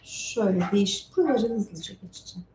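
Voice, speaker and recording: A woman hosts a casual storytelling livestream, reading aloud and commenting in a chatty, rambling, informal way. Her medium-pitched voice is animated, brisk and mellow, and the audio has a roomy echo plus faint background noise.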